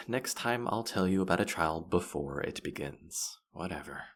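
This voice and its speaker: A man plays a smug demon guide of the afterlife in a fantasy audio drama. His voice sits very low with a gravelly fry, and he takes his time over each line. He is playful and teasing, quick to boast and to act wounded. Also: heavily acted. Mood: grudging. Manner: playful, smug, mock-offended, hesitating mid-thought. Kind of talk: scripted character audio roleplay addressed to the listener.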